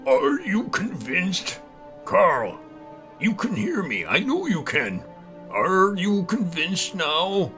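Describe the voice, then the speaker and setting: Man acting an excitable, high-pitched old doctor. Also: takes it slowly, soft background music, heavily acted. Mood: insistent. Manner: theatrical, emphatic, pleading or gloating. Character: excitable old male doctor, gleeful prankster turning desperate. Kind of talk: dramatized horror story reading.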